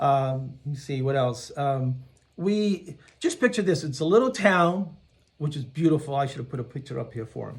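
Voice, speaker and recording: A man with a fairly high, somewhat breathy voice speaks at a moderate pace with ordinary pitch variation. His loudness swings widely. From Portugal, then New York. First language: Portuguese. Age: 60s. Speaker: guest speaker. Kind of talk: personal storytelling. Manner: halting, many fillers.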